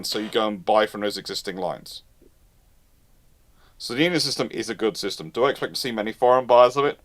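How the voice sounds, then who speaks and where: A man hosting a live talk, explaining things off the cuff in an animated, emphatic way, often rephrasing mid-sentence. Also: lowish voice. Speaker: host of naval history live Q&A. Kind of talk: off-the-cuff explanatory commentary, answering listener questions.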